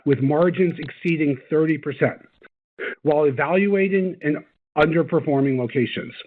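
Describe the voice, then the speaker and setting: A man presenting as a company executive on an earnings call, reading scripted corporate remarks in a formal, measured way. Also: on the high side. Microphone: conference call line. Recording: band-limited, phone-like conference call audio.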